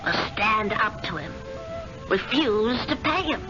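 A woman's voice: medium pitch, slow pace. An actress playing a cool, manipulative woman who coaxes her lover firmly in an old radio drama. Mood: coaxing. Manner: calm, coaxing, firm. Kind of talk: 1970s radio drama acting. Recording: lo-fi vintage radio with music.

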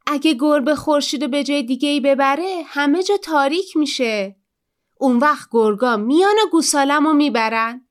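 A woman's voice: sits high, voice pushed up, close to an everyday voice. A woman voicing a worried mother cow in a children's story, pleading with the cat.

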